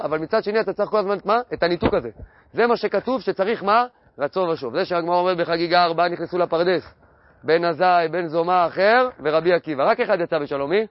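Man with a high voice for a Torah lesson, asks and answers his own questions, muffled dry sound. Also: no room sound. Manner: poses questions and answers them himself; repeats key phrases in a steady teaching cadence. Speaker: religious teacher.

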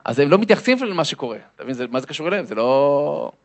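A man's voice: a little high, sing-song. A man, a lecturer, telling a comic story to an audience and acting out the voices and sounds in it.

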